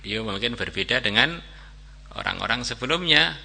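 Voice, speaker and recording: A male preacher telling a story in a relaxed, colloquial sermon and chanting short Arabic verses along the way. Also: medium pitch, moderate pace, vocal fry.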